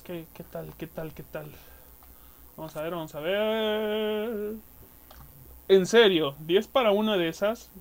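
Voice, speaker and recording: A young Mexican man doing casual gameplay commentary, excitable, swearing and yelling at enemies. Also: high voice. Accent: Mexican Spanish. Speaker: gaming youtuber.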